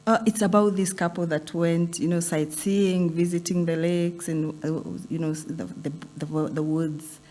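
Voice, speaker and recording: A woman, a talk show guest, speaking softly and laughing easily as she tells a story. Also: on the low side, fairly even intonation, moderate pace. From Kenya. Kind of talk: casual studio chat.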